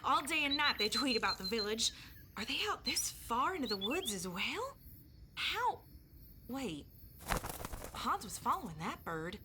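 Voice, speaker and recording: A woman's voice: fairly high pitch, very animated, measured pace, long pauses, noisy background. An actress playing an anxious young village huntress in an audio drama, earnest and pleading in her delivery. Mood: worried, determined. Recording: outdoor ambience with birdsong.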